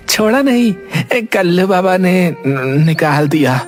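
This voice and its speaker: A man voicing Gabru, high eager young man. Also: slow pace, soft background music. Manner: excited, pleading, high-strung. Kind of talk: cartoon voice acting.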